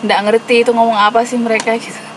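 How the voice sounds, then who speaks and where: A woman's voice: a little high, flat delivery, fast talker. Patient woman teacher, noisy room. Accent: Javanese. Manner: patient explaining, mixing English terms in, light laughs. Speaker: English teacher. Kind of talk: online English class. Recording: noisy room with air conditioning.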